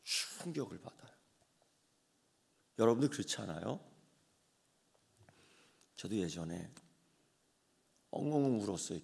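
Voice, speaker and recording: Impassioned preacher in a reverberant church. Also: male voice, fairly low pitch, creaky. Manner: dramatic swings from hushed to shouting. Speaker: pastor. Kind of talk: sermon. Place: church sanctuary. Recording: long church hall reverb.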